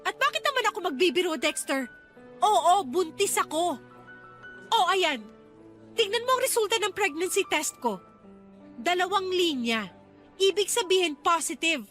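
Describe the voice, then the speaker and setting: A hurt, indignant college girlfriend in a radio drama. Her voice is very high and bright, and she confronts with raw emotion. Music plays behind her. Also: sing-song, unhurried, long pauses, full character voice. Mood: upset, insistent. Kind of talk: Tagalog radio drama acting.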